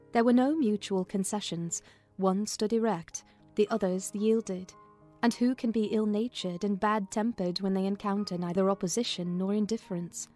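Mellow-voiced woman narrating a novel. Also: medium pitch. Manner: measured storytelling. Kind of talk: dramatized audiobook narration, in character as a housekeeper. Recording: music under the voice.

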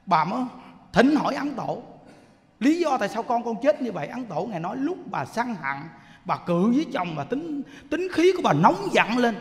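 A man gives a Buddhist sermon. He talks in an animated, conversational way and keeps turning rhetorical questions on his listeners. A long reverb from the hall trails behind each phrase. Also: high-pitched. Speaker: Buddhist preacher.

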